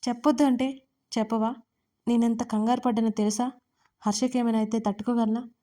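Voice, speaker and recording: A woman voicing a fierce yet loving young wife who scolds sharply and presses hard, in a mellow voice. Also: a little high, level tone, fairly quick, lightly acted. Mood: probing. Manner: sharp scolding, then pleading.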